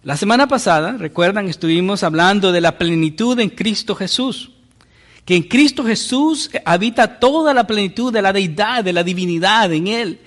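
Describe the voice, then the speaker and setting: A man's voice: high-pitched, lively intonation, moderate pace, fairly bright tone. A man preaching a sermon as pastor, teaching with rhetorical questions.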